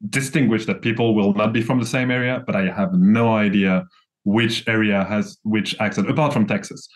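French-accented man, low voice, rambling. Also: fairly even intonation, normal speed. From France. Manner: rambling, many restarts and "like" fillers. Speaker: guest. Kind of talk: casual conversation.

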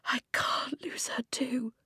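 A woman voicing a distraught, self-doubting young boy in a storybook, with anguished gasps and hushed words. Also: takes it slowly, no echo, whispered, clean studio sound. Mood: despairing.

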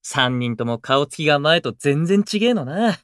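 An actor playing a brash, cocky young male idol in a Japanese voice drama, with blunt, swaggering, rough speech. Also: on the high side, animated, moderate pace, fairly bright tone, no room sound, clean studio sound. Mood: easygoing, surprised. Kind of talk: Japanese anime-style voice drama acting.

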